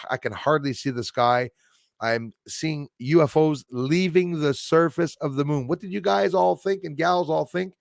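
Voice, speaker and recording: Slightly high and marked by vocal fry, this man's voice comes through clean, studio-quality, with no echo. He's a livestream host who rambles enthusiastically and treats his audience like friends in casual chat.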